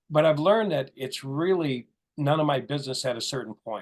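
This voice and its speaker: Speaking at a moderate pace, this man has a normal speaking voice with a fairly high pitch. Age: 60s. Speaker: spiritual podcast co-host. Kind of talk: casual chat.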